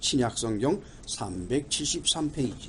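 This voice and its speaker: A man at medium pitch speaks somewhat breathily at a fairly slow pace, with audible room echo. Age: 70s. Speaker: pastor. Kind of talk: sermon.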